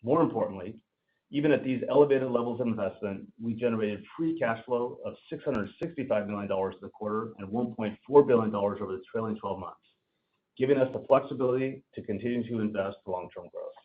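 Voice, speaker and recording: A man giving a formal, measured, scripted financial presentation as a company executive on a conference call. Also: on the low side. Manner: formal, measured delivery of prepared remarks. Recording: narrow tinny phone-line sound.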